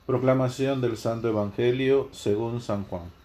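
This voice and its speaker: A man speaking as a Catholic priest, reading scripture and giving a measured, reflective homily. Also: mid-range voice, fairly even intonation, warm tone, slight background noise. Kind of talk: liturgical gospel reading and homily.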